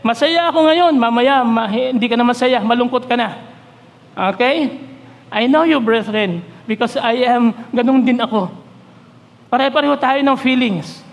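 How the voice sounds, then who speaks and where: A Filipino man preaching from the pulpit in a high voice, his words trailing off into a long church-hall reverb. He reads scripture slowly and deliberately, then breaks off to put questions straight to the congregation. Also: gravelly. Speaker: pastor. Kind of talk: Taglish sermon.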